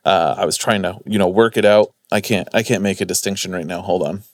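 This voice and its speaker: A man's voice: low-pitched, fairly even intonation, brisk, no room sound. A man hosting a podcast in casual, informal, unpolished chat. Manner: informal, sweary. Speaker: podcast host.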